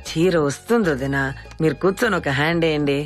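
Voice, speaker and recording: An actress playing a sly, fun-loving, card-playing relative in a Telugu film comedy, with a coaxing manner. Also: female voice, low-pitched, fairly quick, soft background music, natural voice.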